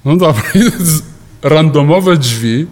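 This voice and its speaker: A man's voice: a little high, animated, unhurried, a little mellow, long reverb tail. A male pastor giving a sermon, telling a personal story in a chatty way, with restarts and chuckles. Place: church service hall.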